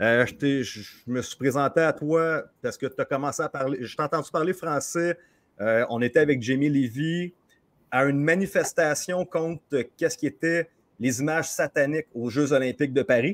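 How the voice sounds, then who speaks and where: A man with a plain, everyday voice speaks at a fairly high pitch and a moderate pace with ordinary pitch variation. The recording is very clean with a silent background and a dry, close sound with no echo. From Quebec. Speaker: former police officer, online show host. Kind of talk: interview. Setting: live stream.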